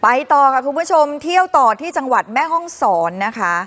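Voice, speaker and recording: A woman's voice: sits high, lively intonation, fairly quick, a bit bright. A woman co-hosting a morning news show, chatting upbeat to viewers over travel footage. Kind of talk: casual live TV chat over travel footage.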